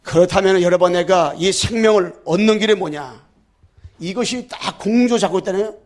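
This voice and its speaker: A man preaching a sermon as pastor, fervent, shifting between loud declarations and low asides, and leading the congregation in repeating phrases after him. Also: moderate pace. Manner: leads the congregation in call-and-repeat.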